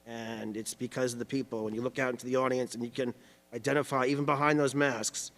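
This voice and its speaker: A man's voice: mid-range voice, level tone, fast talker, fairly bright tone. A man giving a conversational closing statement as a candidate, often repeating phrases as he addresses a forum. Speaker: candidate and former board member. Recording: echoey hall with long reverb.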